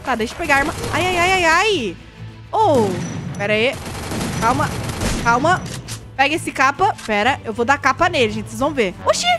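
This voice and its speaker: A young woman with a Brazilian Portuguese accent, chatting excitedly through a gameplay video with frequent squeals and exclamations. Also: high voice, normal speed. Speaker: gaming YouTuber. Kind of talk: casual gameplay commentary. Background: game music and sound effects.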